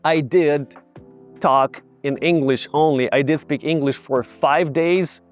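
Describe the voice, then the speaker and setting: A man's voice: a little high, steady tone, slow, soft background music. A man from Ukraine with a Ukrainian accent, casually teaching viewers to camera in an upbeat, direct way. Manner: upbeat, direct, addresses viewers as "you guys". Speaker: English tutor.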